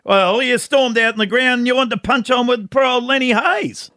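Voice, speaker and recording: Chatty, high-voiced radio host. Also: male voice, moderate pace, sharp tone, dry recording, studio quality. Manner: laughs often, chatty. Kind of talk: casual radio chat.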